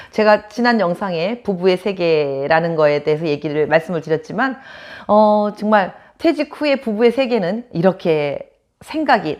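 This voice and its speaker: A woman from Chungcheong, South Korea, hosting her own channel and chatting to camera in a casual storytelling way, laughing often. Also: fairly low pitch. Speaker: channel host.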